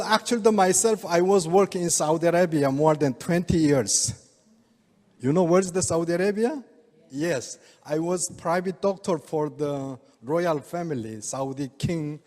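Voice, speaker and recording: An older man with a Korean accent, speaking halting non-native English to an audience and chuckling often. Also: fairly high pitch, darkish tone. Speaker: speaker, oriental medical doctor. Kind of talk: presentation to a live audience. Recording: reverberant hall.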